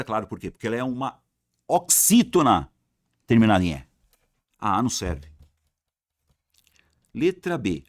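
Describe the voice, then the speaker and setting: In this online grammar class, a Brazilian Portuguese teacher preps students for exams, speaking loosely and colloquially. He hammers key words by repeating them and poses questions that he answers on his own. His mid-range voice comes through clean, with no room sound.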